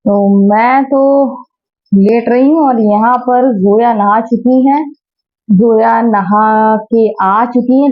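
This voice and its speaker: A sleepy woman in her thirties talks chattily to her viewers from her bedroom. Her voice sits a little high, and the phone recording sounds dull and lo-fi. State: sleepy and tired. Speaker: family vlogger. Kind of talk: casual home vlog narration. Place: bedroom at home.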